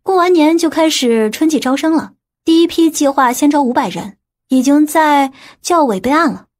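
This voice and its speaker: A woman's voice: sits high, animated, normal speed, a little mellow. A woman playing a pert, teasing businesswoman in an audiobook, with a coquettish, reproachful manner. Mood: businesslike.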